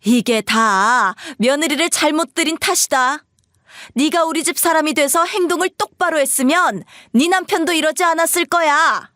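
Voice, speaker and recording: A woman's voice: high voice, normal speed, pushed and bright, dry recording, clean studio sound, voice pushed up. A woman voicing a bossy, scornful middle-aged mother-in-law who scolds and sneers, for an audio story. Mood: scornful scolding.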